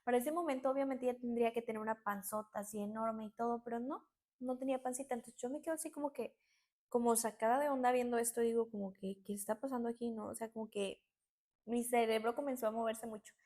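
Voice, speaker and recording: A woman narrating a personal story in an animated way, acting out quotes. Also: a little high, fast talker. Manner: animated, acts out quotes, many fillers.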